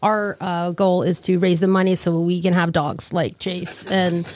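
A woman's voice: fairly low pitch, little pitch movement, unhurried, a little mellow, slight background noise. A woman giving a casual, chatty interview as a guest who organizes fundraising events.

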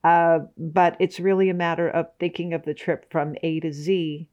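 A woman's voice: on the low side, level tone, moderate pace, a little mellow, lo-fi sound. A woman guest on a podcast, explaining things steadily and informatively, with a few hesitations. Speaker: guest, travel writer. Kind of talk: interview answers.

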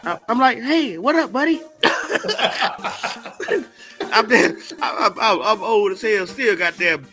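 A middle-aged Southern man with a strikingly high voice talks loosely with a friend, joking at his own expense and breaking into laughter. Music plays underneath the conversation. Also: lively intonation, unhurried, long pauses. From Georgia, US. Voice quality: high-pitched. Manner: laughs often, self-mocking, joking. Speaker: podcast co-host. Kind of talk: casual chat.

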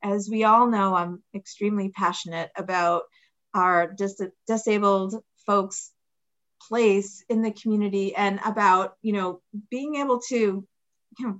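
A woman's voice: mid-range voice, a bit bright, highs cut off. A woman hosting a podcast, enthusiastic and bubbly as she introduces her guest. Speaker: podcast host. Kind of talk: podcast interview.

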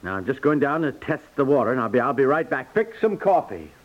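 A man acts out a stubborn American husband from a 1950s radio comedy. He stammers and repeats himself, shivering with cold, in a very animated voice. The recording is dull and lo-fi. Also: medium pitch, fairly quick, faint music behind, natural voice. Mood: insistent. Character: stubborn, shivering husband putting on brave face.

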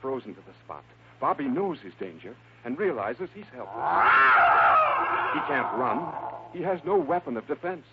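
A man's voice: mid-range voice, very animated, moderate pace. A man narrating an old radio adventure serial in a suspenseful, theatrical style. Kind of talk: dramatic scripted narration, 1950s radio adventure. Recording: noisy, tinny old radio recording.

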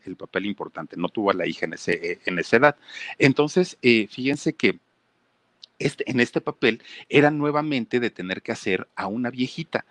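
A man's voice: mid-range voice, fairly bright tone, no echo. A man with a Mexican accent casually telling a story, talking straight to his listeners with plenty of fillers. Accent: Mexican Spanish. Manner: chatty, addresses listeners directly, many fillers.

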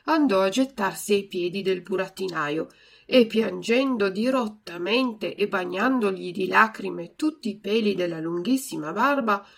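A woman reading a classic storybook aloud in a lively, expressive way. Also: medium pitch, creaky, husky. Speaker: audiobook reader.

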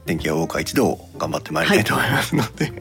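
A man's voice: mid-range voice, very animated, racing, creaky, fairly bright tone, faint music behind. A man hosting a podcast in casual chat about gadgets, thinking aloud and turning polite when addressing listeners. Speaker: podcast host.

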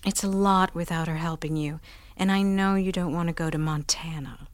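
An actress playing an affectionate, wry partner in an audio drama, flirty and teasing and often speaking in a hushed voice. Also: female voice, lowish voice, fairly even intonation, normal speed, no room sound, close to an everyday voice. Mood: tender. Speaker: show producer.

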